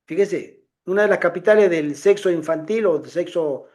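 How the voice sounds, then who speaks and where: A middle-aged man giving an informal testimony to a congregation, telling a story in an animated way and acting out the voices of the people he quotes. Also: high voice, normal speed. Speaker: lay ministry speaker.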